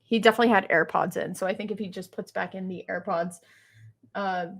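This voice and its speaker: A woman's voice: mid-range voice, fairly even intonation, brisk. A young woman hosting a live esports stream, upbeat and full of fillers, interviewing players.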